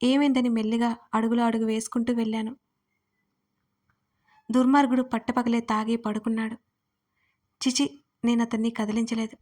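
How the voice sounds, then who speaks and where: A woman narrating a romance audio serial in the first person as its heroine, speaking her own lines in quotes with a steady storytelling delivery. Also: a little high, normal speed, long pauses.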